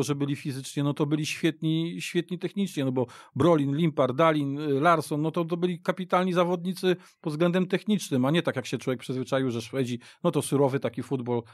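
A man's voice: on the high side, no room sound. A man talking football as a radio studio guest, searching for words and often restarting his sentences as he goes on at length. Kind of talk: casual sports discussion.

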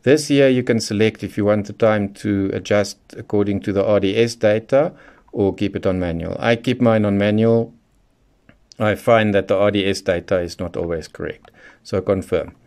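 A man with a fairly low voice presents a hands-on how-to guide. He speaks in a methodical, instructional way, taking the listener through each step in order. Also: normal speed, a little mellow. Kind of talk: hands-on product tutorial, explaining step by step.

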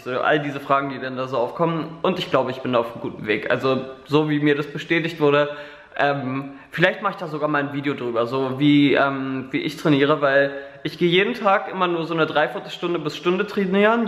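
A young man talks casually into a handheld camera at home, rambling along with plenty of fillers. His voice sits a little high. The room around him rings with a noticeable echo. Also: a bit bright. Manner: rambling, filler-heavy, chatty. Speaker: vlogger. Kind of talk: casual daily vlog chat. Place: living room at home, indoors. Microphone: camera held at arm's length.

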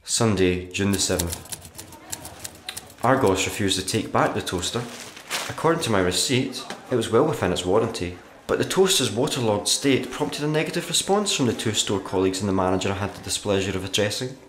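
A man playing a sullen, sardonic writer narrating his diary in a black comedy radio play, dry and deadpan. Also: lowish voice, fairly quick, close to an everyday voice. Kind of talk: dramatic monologue, diary narration in a black comedy audio drama. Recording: roomy echo with background noise.

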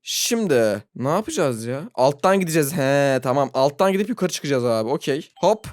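An excitable gaming YouTuber gives Roblox gameplay commentary through a frustrating level, his very lively pitch swinging from low mutters to high squeals at a brisk pace. He talks directly to viewers in a self-mocking, chatty way and laughs often. The recording is dry and close, with no room sound.

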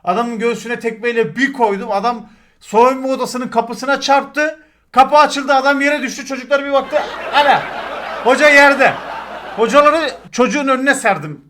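A man, telling crude football stories to his stream chat in a casual, animated way, swearing and acting out shouts. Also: extremely high pitch, moderate pace.

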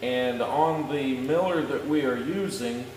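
A man in his thirties explains things slowly and plainly, as a tradesman teaching on camera. His voice rings around a big, echoey shop, with clear noise behind him. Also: mid-range voice, darkish tone. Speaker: welder and video host. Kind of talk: instructional talk to camera. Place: large metal-walled welding shop, indoors.

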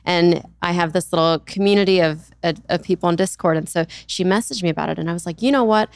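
A young woman hosting a podcast, telling a story in an earnest, lively way on a studio mic. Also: fairly low pitch, quick pace, clear, resonant tone, no echo. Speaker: podcast host. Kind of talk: casual conversational interview. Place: bright studio with leather armchairs. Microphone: studio mic on boom arm.

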